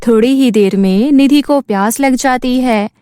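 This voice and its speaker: A woman's voice: fairly high pitch, unhurried, noisy background. A woman reading scripted narration as the storyteller of a children's moral tale.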